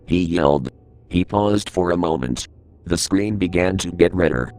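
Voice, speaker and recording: A man with a very low voice reads a creepypasta horror story aloud. He keeps a steady, grave tone throughout, letting the dark events land plainly. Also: moderate pace, faint music behind. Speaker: narrator.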